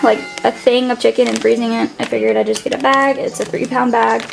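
A young woman chats casually about her grocery haul at a table at home, the camera held overhead for a point-of-view view. Her somewhat high, gravelly voice is fairly quick and loaded with "like" and "um," over a noisy background with music underneath the home video.

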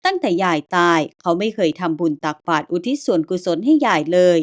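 A woman voicing a kindly old grandmother ghost who speaks in calm, old-fashioned rustic words and reassures the listener. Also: lowish voice, fairly quick. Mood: reassuring.

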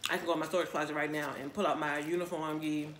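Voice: medium pitch, flat delivery, quick pace, a bit bright. Vlogger chewing while talking, in a roomy space. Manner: talks with mouth full, chewing between phrases. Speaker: mukbang vlogger. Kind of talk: casual mukbang chat, chewing while talking. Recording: roomy echo, faint background noise.

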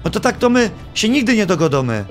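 A man streaming live, giving gameplay commentary in an animated, joking and playfully exasperated way. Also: high voice, fast, faint music behind.

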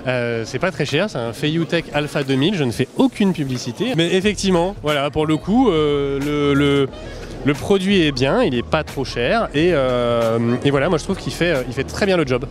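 A man walks a crowded indoor exhibition hall, chatting to the camera in a loose, hesitant way full of fillers. His voice sits a little high. Music plays behind him in the hall. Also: animated, moderate pace. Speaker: reporter roaming a trade show. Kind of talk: casual walking commentary and vox-pop.

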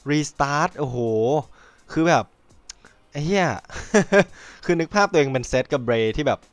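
A man hosting a podcast in casual chat, rambling and excitable, swearing freely and acting out quotes. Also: fairly high pitch, measured pace, clear, resonant tone, no room sound. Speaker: podcast host.

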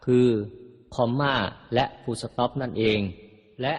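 ชายสอนสวดด้วยเสียงก้องห้องโถง. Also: male voice, medium pitch, little pitch movement. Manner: slow, measured, repeats each sound twice. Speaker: teacher of ordination chanting. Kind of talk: instructional explanation with chanted examples. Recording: long hall reverb.

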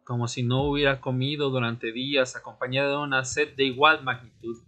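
A man playing a tormented young vampire, narrating an audio drama in the first person with solemn, deliberate, dramatic pauses. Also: mid-range voice, flat delivery, bright, forceful tone. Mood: grave, desperate. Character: Fernando, tormented newly turned male vampire recounting his death. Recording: music bed under the voice.

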